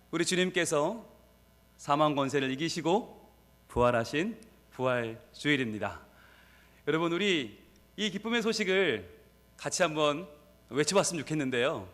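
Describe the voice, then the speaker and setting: A male pastor with a Gyeongsang Korean accent, preaching an energetic sermon and leading his congregation in call-and-response. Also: a little high, big-room sound.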